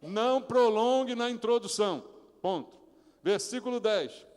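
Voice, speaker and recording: A male pastor from Brazil preaching a sermon, asking the congregation questions and acting out prayers in a hushed, pleading voice. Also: very high voice, expressive, measured pace, clean tone. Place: church sanctuary. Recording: reverberant church hall.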